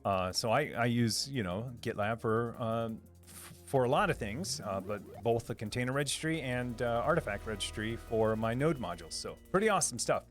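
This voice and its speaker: A man hosting a casual live stream, talking to his chat in an upbeat, rambling way with plenty of "uh"s and restarts. He speaks at an ordinary middle pitch, and his voice sits a little lower than usual today. Faint music plays quietly behind him. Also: animated, moderate pace. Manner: rambling and upbeat, many fillers and restarts, laughs often.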